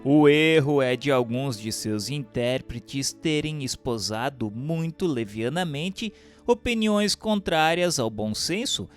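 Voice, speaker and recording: A Brazilian man reads a scripted text as a formal narrator. His delivery is slow and instructive, with pitch that moves expressively through each phrase. Faint music plays behind his voice. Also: animated. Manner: formal, measured, didactic delivery. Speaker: narrator reading a book aloud.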